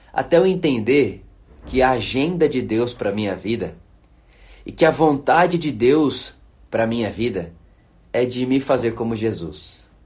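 A man speaks at a medium pitch with lively intonation and a somewhat breathy sound. He takes long, frequent pauses, and room echo is audible. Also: fairly slow pace. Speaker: pastor. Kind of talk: sermon. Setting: live stream. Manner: casual, conversational.

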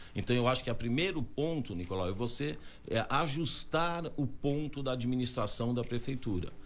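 In an unremarkable speaking voice, a man talks at a medium pitch and moderate pace with lively intonation. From Santos, Brazil. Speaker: political candidate. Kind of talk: campaign interview.

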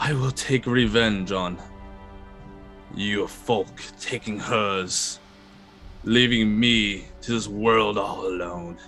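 A put-on character voice goes at a very slow pace with long, frequent pauses. Clear music plays in the background. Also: man, fairly low pitch for a man. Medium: actual play. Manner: bitter, spiteful, menacing.

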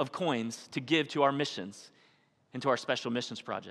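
In an animated tone, a man is speaking. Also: very clean recording, silent background. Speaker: pastor. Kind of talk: sermon.

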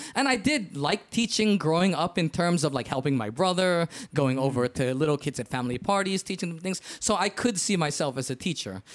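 Talking at a fairly quick pace, a man with a high pitch uses lively intonation. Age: 40s. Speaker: high school English teacher and writing tutor. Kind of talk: interview conversation.

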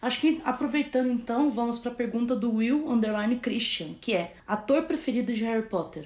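Lively intonation carries this speech along at a moderate pace. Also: woman, high pitch for a woman. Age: 20s. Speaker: podcast co-host. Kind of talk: casual chat. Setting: recording in the same room at home.

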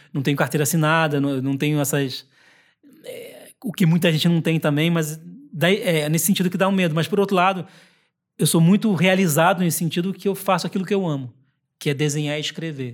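A man with a high voice talks at a fairly quick pace on a very clean recording with a silent background. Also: ordinary pitch variation. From Chad and Cape Verde, Brazil from age 12. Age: 30s. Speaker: writer and poet. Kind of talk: casual chat. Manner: halting.

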